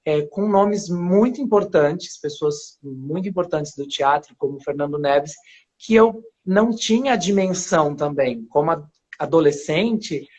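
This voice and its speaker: A man from Paraíba who grew up in São Paulo and speaks with a São Paulo accent, a guest actor chatting casually in an interview, rambling with restarts and soft laughs. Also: on the high side, lively intonation, a little slow. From Paraíba, Brazil. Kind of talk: casual interview on a live stream. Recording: dull lo-fi live stream audio.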